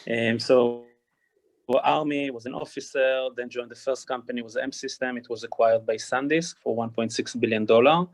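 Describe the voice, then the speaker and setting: A man's voice: medium pitch, fairly even intonation, normal speed. Matter-of-fact Israeli-accented man. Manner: clipped, matter-of-fact, drops small words. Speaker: panelist, investor. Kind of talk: self-introduction on a panel.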